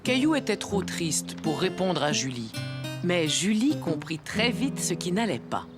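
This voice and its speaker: A woman's voice: on the low side, big pitch swings, a little slow, music in the background. A woman narrating a French children's cartoon like a storybook. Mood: storytelling. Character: storybook narrator telling a small child's day.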